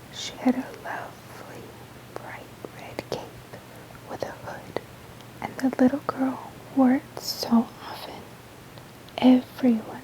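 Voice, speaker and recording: A woman whispers at a very slow pace, with long, frequent pauses. Her loudness swings widely, and background noise is noticeable. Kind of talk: ASMR read story. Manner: whispered.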